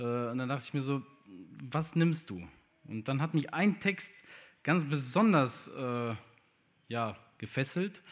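A man giving a sermon in a conversational way, asking the congregation questions and using many fillers. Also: medium pitch. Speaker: preacher. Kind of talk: sermon with scripture reading.

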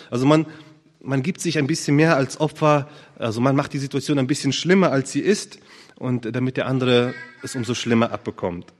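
A man preaching a sermon in an earnest, thoughtful way, feeling for his words with pauses and restarts. His mid-pitched voice carries a long reverb from a church hall. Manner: earnest, searching, with fillers and restarts.

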